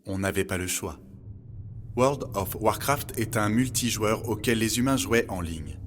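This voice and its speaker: Low-voiced, earnest robot guide played by a man. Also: slight background noise, natural voice. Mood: measured, explanatory. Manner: measured, formal, didactic. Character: polite, earnest male robot guide recounting humanity's end. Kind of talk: scripted documentary fiction narration. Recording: music bed behind the voice. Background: music.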